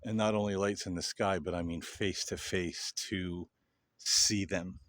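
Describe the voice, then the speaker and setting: Male host, low voice, informal explanatory delivery to viewers. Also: steady tone, unhurried, fairly bright tone. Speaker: paranormal investigator and host. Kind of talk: casual explanatory talk to viewers.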